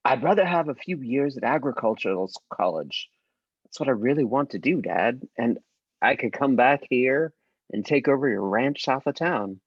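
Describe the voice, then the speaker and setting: A man acting an earnest, troubled teenage son who speaks haltingly and deferentially in a drama table read. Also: medium pitch, expressive, breathy edge, no echo, lo-fi sound. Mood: nervous, earnest. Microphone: video call microphone.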